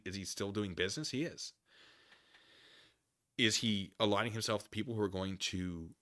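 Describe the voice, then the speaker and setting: Forceful, low-voiced man musing aloud. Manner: musing, halting, often rephrasing and qualifying himself. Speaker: livestream host. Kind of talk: casual opinion monologue, answering chat comments.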